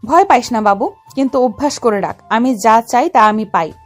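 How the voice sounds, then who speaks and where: A woman's voice: on the high side, animated, moderate pace, faint music behind, close to an everyday voice. An actress playing a young, possessive female mafia don who speaks in a domineering, teasing way in an audio drama. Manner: domineering, teasing, calls him baby.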